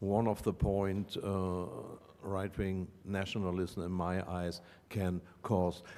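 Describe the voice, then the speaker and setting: A man's very deep, low voice in a German accent, dark and mellow in tone, monotone and flat, at a very slow pace. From Germany. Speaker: panel moderator. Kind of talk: panel discussion moderation. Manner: halting, many fillers.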